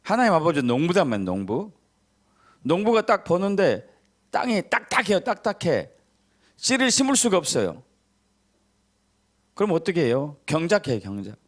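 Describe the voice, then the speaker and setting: The middle-aged pastor's sermon moves at a moderate pace, marked by huge pitch swings and long pauses. To stress key words he repeats them low, and his storytelling includes acting out each person's voice.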